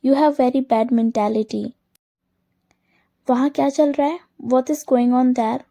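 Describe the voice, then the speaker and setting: A woman teaching English phrases, saying each one quickly and then slowly repeating it twice. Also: high voice, steady tone, mellow. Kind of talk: slow phrase drill lesson.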